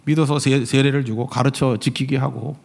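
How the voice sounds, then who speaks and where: A man's voice: mid-range voice, fairly even intonation, moderate pace, gravelly. A middle-aged man preaching a sermon as pastor, emphatic and full of rhetorical questions to the congregation. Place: large church sanctuary. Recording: long reverb of a church hall.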